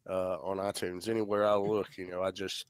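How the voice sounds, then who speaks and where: A man's voice: low-pitched, little pitch movement, a little fast, smooth, no echo. A man in his thirties with a stuffy head cold, chatting casually and swearing easily on a voice call. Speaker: podcast host. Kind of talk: casual chat.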